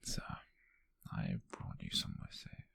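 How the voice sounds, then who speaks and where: A British man playing a possessive, obsessive mafia kidnapper in an ASMR roleplay, speaking slowly in a breathy, husky whisper with a menacing tenderness. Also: sharp tone, no echo. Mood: grave warning. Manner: slow, deliberate, menacingly tender.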